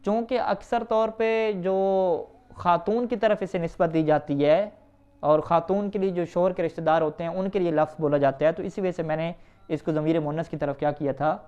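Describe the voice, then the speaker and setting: Male grammar teacher, high clear voice, runs a question-and-answer lesson, reads Arabic quickly, muffled lo-fi recording. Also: steady tone, darkish tone. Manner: asks students questions and answers them himself; reads Arabic quickly, then explains in Urdu. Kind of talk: classroom lesson reading and explaining an Arabic text. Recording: dull, lo-fi recording.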